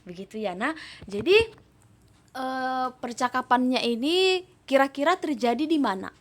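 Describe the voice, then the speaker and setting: A woman teacher giving a recorded online Arabic lesson to primary pupils, talking to them in an animated, coaxing way. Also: sits high, measured pace. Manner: animated, coaxing, calls the children "Nak".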